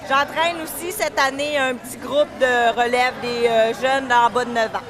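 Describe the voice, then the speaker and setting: With crowd noise around her in an indoor pool area, a Québécois-accented woman in her thirties, a diving club vice-president and coach from Quebec, Canada, talks casually as an interview guest. Her fairly high voice holds a steady tone at a moderate pace, and she hesitates often with fillers and restarts.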